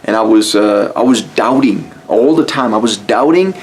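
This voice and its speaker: A man's voice: on the low side, expressive, normal speed, darkish tone, slight background noise. A man from Mexico with a Mexican Spanish accent, speaking English as a second language, giving a blunt, casual motivational talk to camera and swearing freely. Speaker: YouTube style coach.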